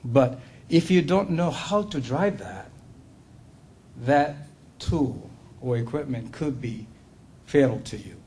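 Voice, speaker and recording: With a Japanese accent, an older man from Japan presents an earnest business talk at a luncheon, laughing a lot and checking on listeners with "okay?" and "right?". He speaks slowly with long pauses, in a medium-pitched, slightly mellow voice with a breathy edge and lively intonation.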